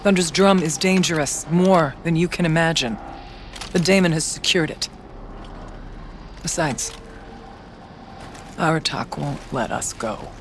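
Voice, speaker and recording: A man playing a solemn, wry tribal shaman in a video game, speaking in a measured, earnest, mystical way. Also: on the high side, slight background noise. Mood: grave. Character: solemn, wry Banuk shaman guiding an outlander. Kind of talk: dramatic video game dialogue.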